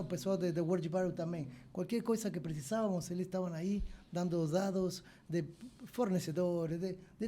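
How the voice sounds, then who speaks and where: A man with an Argentine accent, a brewery owner speaking as a podcast guest, halting and often pausing to search for his words. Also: sits high, dark tone. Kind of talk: podcast interview.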